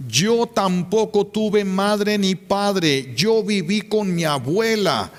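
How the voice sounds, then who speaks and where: A bitter, combative female prisoner who warns and shouts defiantly, as a priest puts her on in his sermon. The voice is pitched up high. It rings with a long church reverb. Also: slow. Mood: bitter warning.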